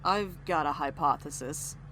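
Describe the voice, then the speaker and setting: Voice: mid-range voice, a little slow, bright, forceful tone, a little hiss or hum, rough recording. A performer playing a blunt, wry and loyal tough companion in an audio drama. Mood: wry, confident.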